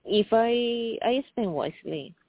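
Woman in her fifties, halting speech, lots of fillers, phone-line sound. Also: on the high side, animated, husky, dry recording. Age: 50s. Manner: hesitant, halting, many fillers. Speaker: caller. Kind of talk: phone-in call.

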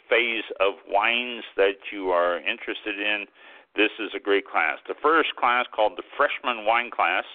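A man hosting a wine radio talk show, calling in over a landline phone and reading announcements with many halting fillers. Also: lowish voice. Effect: heard over a landline phone. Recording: tinny landline phone line.

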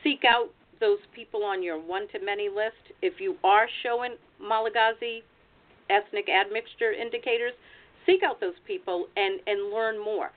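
The recording is tinny, like an online phone call, as an American woman presents as a genealogy researcher in an explanatory webinar over video call. She speaks at medium pitch with fairly even intonation and normal speed, giving practical advice.

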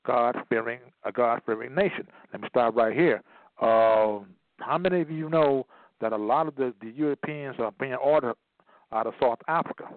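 A man's voice: medium pitch, no echo. A man giving an emphatic lecture, partly reading aloud and repeating phrases for stress. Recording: tinny phone-like line, dry.

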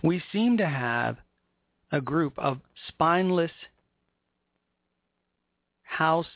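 Casting: American man, political talk host, slightly high-pitched, emphatic and indignant, heard over a tinny phone-quality line. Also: expressive, no echo. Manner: emphatic, indignant, deliberate phrasing with repetition. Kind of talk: political commentary with read-out news articles.

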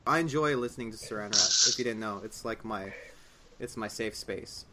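A man's voice: fairly low pitch, fairly quick, very noisy. A young man co-hosting a casual podcast chat, rambling and joking, with lots of fillers and restarts. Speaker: podcast co-host.

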